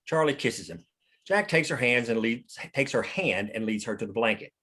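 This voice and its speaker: Male narrator for a screenplay read, mid pitch, reading scene headings and action. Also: animated, moderate pace, a bit bright, slightly rough. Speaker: narrator reading stage directions.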